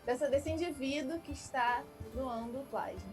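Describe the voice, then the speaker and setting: A woman's voice: high-pitched, moderate pace, music in the background. A woman co-hosting a casual chat, explaining informally and sometimes searching for words. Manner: informal, loses words mid-sentence. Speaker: co-host answering questions.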